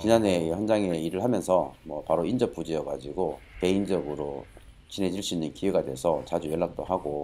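The man's voice has a dark, mellow tone. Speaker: expat vlogger touring a site. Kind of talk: casual vlog commentary. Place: street. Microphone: phone near.

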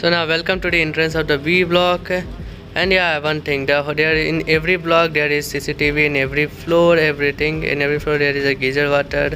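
A man talks at a very fast pace in a flat monotone, with music playing behind him. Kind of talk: casual vlog tour narration. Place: street. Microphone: phone near.

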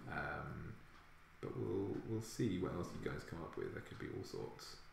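With light background noise and audible room echo, the speaker talks in a southern English accent. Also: man. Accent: posh southern English, received pronunciation. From southern England. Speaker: fantasy artist and streamer; artist streamer. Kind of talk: casual live stream chat. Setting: live video stream. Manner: animated; rambling. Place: home room.

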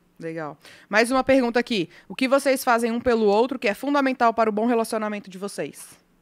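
A woman talks at a very fast pace with a fairly high pitch and ordinary pitch variation. The recording is very clean, and the background is silent. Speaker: podcast guest, host's wife. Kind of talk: casual chat.

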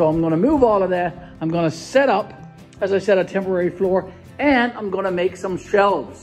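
Faint music plays in the background. A woman speaks over it with ordinary pitch variation. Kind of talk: casual vlog chat. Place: garage. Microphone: phone near.

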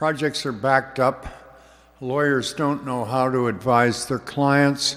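Medium pitch from a man, monotone and flat, at a very slow pace. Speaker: resident speaking at public comment. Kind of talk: public comment at meeting. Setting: town board meeting. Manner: halting.

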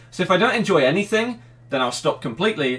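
Vocal fry and very wide pitch swings mark this man's voice, in an East Midlands accent. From England, East Midlands. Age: 20s. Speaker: gaming YouTuber and streamer. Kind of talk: casual Q&A monologue to camera. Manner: casual, frequent filler 'uh'. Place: home room. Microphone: webcam.

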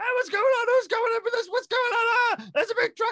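Extremely high in pitch, a put-on character voice rattles along at a fairly quick pace. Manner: shouting, alarmed, confused.

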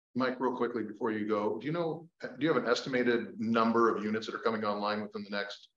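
Audible room echo surrounds a man speaking very fast at a fairly low pitch. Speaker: committee co-chair, commercial real estate. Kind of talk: meeting moderation. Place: meeting room. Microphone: camera far.

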